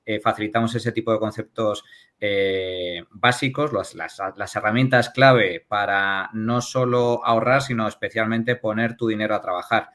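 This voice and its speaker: A man from Spain describing a course in a steady, casual panel talk, pausing often on fillers. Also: fairly low pitch. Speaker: course instructor.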